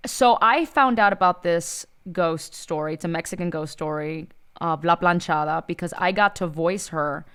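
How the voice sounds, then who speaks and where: A woman with a clear, smooth voice that sits a little low. She co-hosts a casual comedy podcast, telling stories playfully and irreverently and slipping Spanish slang into her English. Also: a bit bright. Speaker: podcast co-host. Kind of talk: casual comedic storytelling chat.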